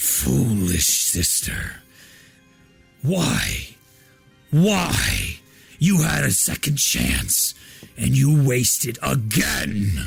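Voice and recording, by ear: A man puts on a booming character voice at a medium pitch, speaking at a very slow pace with faint music in the background.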